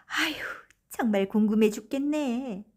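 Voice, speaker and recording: A woman's voice: fairly high pitch, unhurried, voice pushed up. A woman storyteller voicing a scheming, greedy robber wife in a folktale audiobook, theatrical and affected. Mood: greedy eagerness. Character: scheming, greedy robber wife luring travellers with false grief.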